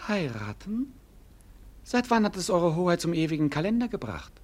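An actor playing a sardonic, down-to-earth jester in a classic German radio play, husky and mock-pompous. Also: male voice, high voice, big pitch swings, normal speed, darkish tone. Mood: incredulous, eager. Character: mocking, down-to-earth jester companion of a prince.

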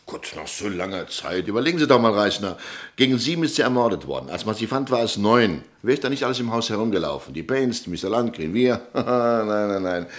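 A man acting a brisk, cocksure small-town police commissioner in a radio crime drama, businesslike and commanding. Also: fairly low pitch, expressive, close to an everyday voice. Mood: insistent, cocksure. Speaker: actor in a radio crime play.

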